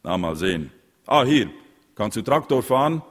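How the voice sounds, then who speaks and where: A man's voice: on the low side, sing-song, moderate pace, long reverb tail. A man voicing a mocking, grumpy mayor. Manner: mocking, rattling off questions. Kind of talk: audiobook reading.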